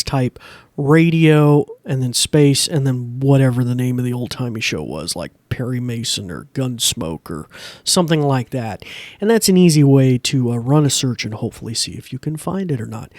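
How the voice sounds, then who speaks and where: A man's voice: mid-range voice, darkish tone, no room sound. A man hosting a podcast, giving a casual, chatty, informal tutorial into a close mic. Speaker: podcast host. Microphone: close podcast mic through a mixer.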